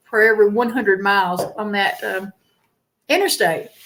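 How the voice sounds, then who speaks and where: With a Southern accent, a woman speaks in a bright, sharp tone. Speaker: YouTuber. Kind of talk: casual chat. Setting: livestream.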